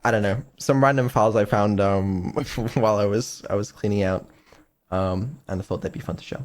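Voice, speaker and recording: A man's voice: fairly low pitch, normal speed. A man giving a casual live stream update as a developer, rambling and hesitant with many ums and offhand swearing.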